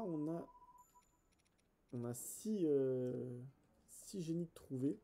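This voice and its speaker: Male let's play host, deep mellow tone, casual, hesitant self-correcting commentary. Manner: chatty, addresses viewers directly.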